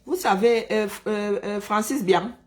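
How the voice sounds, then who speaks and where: A man's voice: high voice, measured pace. Angry man ranting live. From Cameroon. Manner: indignant, emphatic, repeats phrases for force. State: agitated. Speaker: live streamer. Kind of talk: angry live-stream rant.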